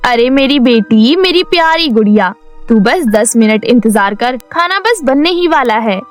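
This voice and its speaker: Cruel cartoon stepmother, played by a woman, high voice, harsh and scolding. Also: animated, normal speed, fairly bright tone, soft background music. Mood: coaxing. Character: cruel shrill stepmother, middle-aged woman. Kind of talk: cartoon voice acting.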